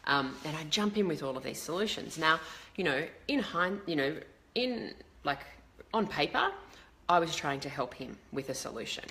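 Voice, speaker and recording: A woman's voice: sits low, expressive, moderate pace, sharp tone. A woman with a slightly crackly voice, chatting casually and ramblingly to a live online audience as a leadership coach. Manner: chatty, rambling, greets viewers mid-thought.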